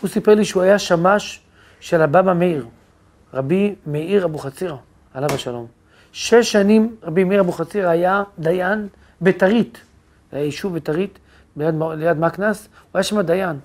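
High-pitched rabbi guy preaching, lively storyteller, does the voices of the people in his stories. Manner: animated storyteller who acts out quoted voices. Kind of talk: religious lecture with storytelling.

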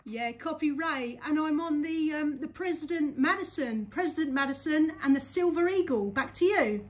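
A woman's voice: high-pitched, normal speed, distant mic. A woman making CB radio calls and chatting casually from a vehicle. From England. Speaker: CB radio operator. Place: parked vehicle with radio static. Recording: muffled, very noisy CB radio session in a vehicle.

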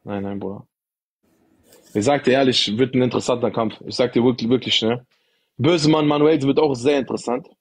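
A man's voice: mid-range voice, fairly even intonation, a little fast, husky. A man, casually questioning in street slang and insistently repeating himself. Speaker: questioner on a livestream.

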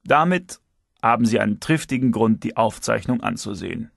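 A man's voice: moderate pace, vocal fry, no room sound, studio quality, heavily acted. Man doing a sly ex-detective security chief. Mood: teasing. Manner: lively, teasing, raised pitch. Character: shrewd, moralizing male security chief, ex-detective.

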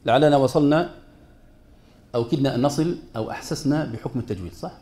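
In a quick, mellow, medium-pitched voice, a man leads a lesson on Quran recitation rules. He mixes formal Arabic with casual side remarks, stressing his points and throwing rhetorical questions at the students.

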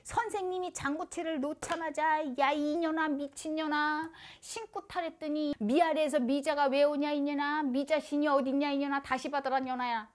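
A woman's voice: sits high, steady tone, normal speed, few pauses, voice pushed up, natural voice. A woman voicing a harsh older female shaman teacher who curses and berates her student. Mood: berating. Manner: cursing, berating.

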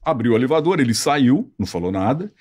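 A man's voice: medium pitch, quick pace, breathy edge. A man telling a story in casual podcast chat, acting out the voices of the people in it. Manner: animated storyteller, acts out quoted voices. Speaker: podcast guest.

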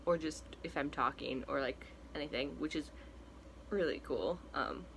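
A man's voice: on the high side, normal speed, gravelly, fairly bright tone, slight background noise. A young trans man talking through a casual home vlog update, rambling with lots of fillers, his voice cracking now and then. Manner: chatty and rambling, many fillers and restarts. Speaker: vlogger. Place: small room indoors at home.

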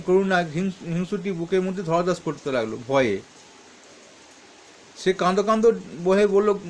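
A man with a high voice explains textbook answers, reading questions aloud and working through them step by step while often stopping to correct himself. There is a slight hiss or hum in the recording.

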